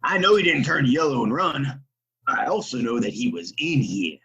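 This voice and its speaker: Ruthless Old West outlaw colonel played by a man, forceful. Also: mid-range voice, big pitch swings, normal speed, highs cut off. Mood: cold menace. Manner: folksy frontier drawl phrasing, threatening. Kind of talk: Western audio drama acting.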